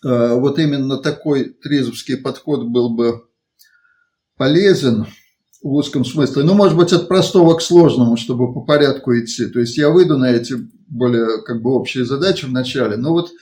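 A man speaking conversationally about his work as a consultant, reformulating his thoughts as he goes in a halting, digressive way. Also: mid-range voice, mellow. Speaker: engineering consultant. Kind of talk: conversational account of work experience.

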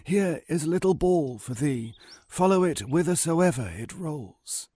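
A man's voice: on the high side, expressive, a little slow, dark tone, slightly rough, dry recording, voice pushed up. A man voicing a kindly, sorrowful and wise old man in a fairy tale. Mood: regretful advice. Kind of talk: storybook character voice.

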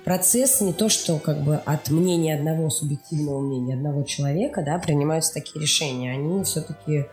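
A woman's voice: sits low, fairly quick, few pauses, darkish tone. A woman giving explanatory interview answers, going step by step and often checking she is followed. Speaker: animation studio production executive interviewed as guest. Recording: roomy echo with faint music behind.

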